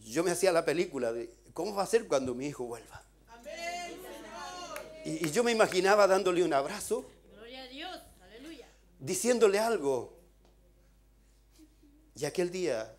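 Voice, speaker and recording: A Chilean man preaching from a church pulpit, his voice sitting a little higher than most men's. He narrates a vision in a steady storytelling cadence, then climbs to shouted, impassioned calls. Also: moderate pace, long pauses. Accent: Chilean Spanish. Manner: retells a vision with many "dice", builds to shouted pleas. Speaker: pastor. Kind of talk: sermon.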